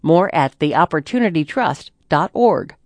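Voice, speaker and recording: A woman reads sponsor credits for a public radio station in a crisp, scripted way. Her pitch sits a bit low but moves in a lively way, and the sound is dry and close. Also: moderate pace, no room sound. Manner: crisp, scripted announcer delivery. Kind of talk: read sponsor announcement.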